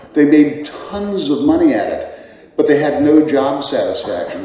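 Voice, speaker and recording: Noticeable background noise sits behind a man talking at a moderate pace. He speaks with an American accent. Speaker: documentary producer. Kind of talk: lecture. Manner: halting, many repetitions.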